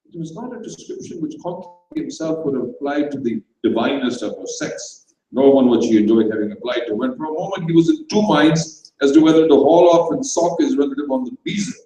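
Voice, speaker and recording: Man, dramatised storytelling, mellow tone, measured delivery, distant microphone, strong room echo. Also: fairly high pitch, animated. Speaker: story reader. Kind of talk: dramatised comic short story reading for an audience.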